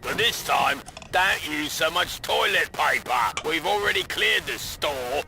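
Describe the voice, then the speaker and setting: A man's voice: a little high, lively intonation, a little slow, vocal fry, pushed and bright, slight background noise, exaggerated voice. A man playing an officious, irritable, fussy prison guard in a video game, curt and pedantic. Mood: irritated.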